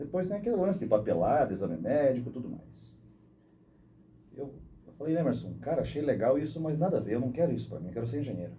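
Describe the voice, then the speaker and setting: Audible room echo surrounds a man talking very fast with lively intonation and vocal fry. His tone is dark and mellow, his pitch medium. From southwest Paraná, Brazil, gaúcho family. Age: 40s. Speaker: educator and education entrepreneur. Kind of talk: podcast interview. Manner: animated.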